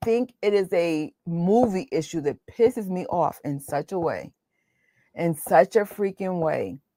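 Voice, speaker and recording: On a very clean recording with a silent background, a woman speaks at a fairly slow pace and a medium pitch. Her tone is animated, and her intonation is lively. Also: dry, close sound with no echo. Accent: American. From New York (Harlem). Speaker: YouTube host. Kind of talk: casual chat.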